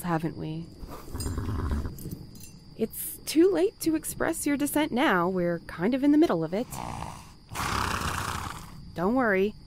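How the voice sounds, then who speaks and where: A woman playing an earnest, guarded and conscientious postal worker in an audio drama, speaking in a measured, articulate way. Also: fairly high pitch, creaky, background noise. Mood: wry. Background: music.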